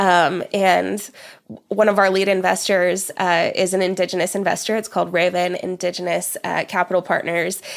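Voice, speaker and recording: Monotone, flat intonation and vocal fry, with an American accent. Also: woman, medium pitch for a woman, moderate pace. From Oklahoma, US. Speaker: fintech founder and CEO. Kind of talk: interview. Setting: remote call.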